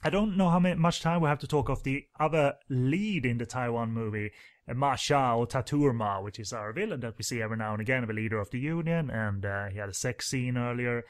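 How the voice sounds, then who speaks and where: A man's voice: medium pitch, a little fast. Rambling man doing a movie commentary. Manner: rambling, hesitant, many fillers and restarts. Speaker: podcast host doing a film commentary.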